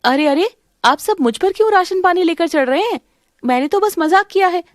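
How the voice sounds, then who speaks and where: A woman's voice: very high voice, expressive, a little fast, no echo, studio quality, voice pushed up. A woman voicing a spiteful young sister-in-law who taunts and scorns the family. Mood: mocking.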